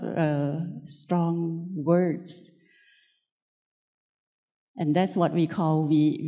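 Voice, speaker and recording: Slow, low-voiced Thai woman teaching. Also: mellow. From Thailand. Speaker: Buddhist nun giving a dharma talk. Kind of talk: unscripted spiritual teaching talk.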